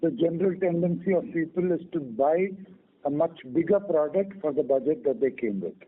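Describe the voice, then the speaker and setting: A man's voice: fairly high pitch, lively intonation, fairly quick. A man with an Indian accent, a company executive explaining things on a business call over a tinny phone line.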